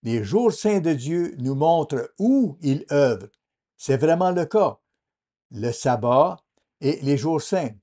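A man giving a translated sermon as a voice-over in a measured, earnest preaching manner. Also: on the high side, lively intonation, dark tone.

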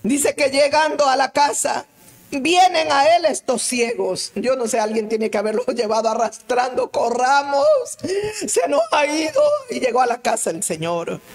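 A woman's voice: fairly high pitch, moderate pace. A woman evangelist preaching a sermon in a fervent, emotional way, her voice swelling toward tears.

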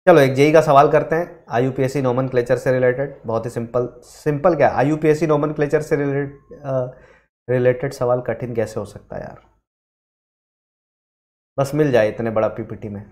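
A man teaching chemistry in a live online lecture, animated, quizzing his students and mixing in English terms. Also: medium pitch, normal speed, roomy sound. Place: studio classroom.

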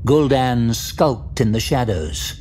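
A man's voice: medium pitch, lively intonation, slow pace, a little mellow, slight background noise. A man giving a dramatic scripted narration of a fantasy story. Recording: music behind the narration.

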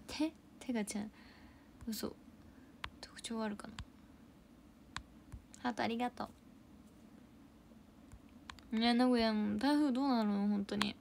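A young woman hosting a casual idol livestream. She reads out viewer comments and thanks them for gifts, and often drops into soft, whispery asides. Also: fairly high pitch, fairly even intonation, takes it slowly, gravelly, long pauses, slight background noise.

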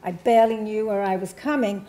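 An older woman from England, a panelist, speaking in a reflective, measured way about her past, with frequent ums and restarts, in a university hall. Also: medium pitch, steady tone, warm tone. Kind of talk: personal recollection at a panel talk. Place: university hall with a seated audience.

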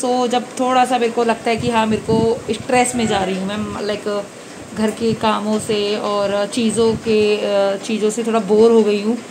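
A woman in her thirties with a hoarse voice, chatting casually to viewers in a home vlog, holding a phone camera at arm's length. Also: medium pitch, little pitch movement, moderate pace. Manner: chatty, addresses viewers directly. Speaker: vlogger. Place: small room at home, indoors. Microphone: phone camera held at arm's length. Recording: noisy home phone recording.

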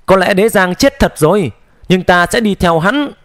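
A man voicing an old immortal whose last written words are read out, brisk and rueful. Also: high voice, expressive, a bit bright, dry recording, studio quality.

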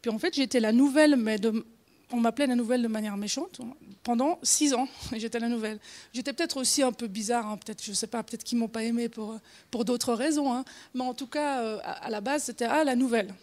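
A slightly high, slightly fast and somewhat mellow voice belongs to a Swiss conference speaker in her forties with a Genevan French accent. She talks informally, hesitating, restarting, using many fillers and laughing often.

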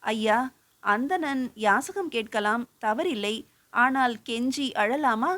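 A woman's voice: a little high, expressive, slow, fairly bright tone. A woman voicing a young male scholar who speaks with earnest, respectful humility.

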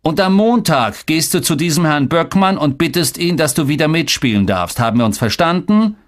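A man's voice: medium pitch, expressive, takes it slowly. Man doing strict father, commanding, firm voice, storybook reading. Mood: stern. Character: father, proud but strict middle-aged man.

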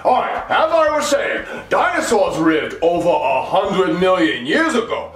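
A man's voice: high-pitched, very animated, a little slow, fairly bright tone, roomy sound, heavily acted. A man voicing an irritable male schoolteacher puppet in a comic show, lecturing with sarcastic, scolding emphasis.

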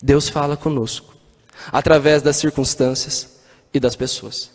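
A man's voice: medium pitch, steady tone, measured pace. A man with a Brazilian accent giving a spiritist talk, telling stories and asking the audience rhetorical questions. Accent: Brazilian Portuguese. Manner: storytelling, acts out quoted voices, rhetorical questions. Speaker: spiritist lecturer. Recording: long hall reverb.

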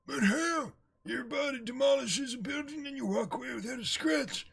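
A man voicing an exasperated, alarmed young woman in a manga reading, exclaiming loudly. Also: very high voice, normal speed, gravelly, breathy edge, voice pushed up, heavily acted. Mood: incredulous.

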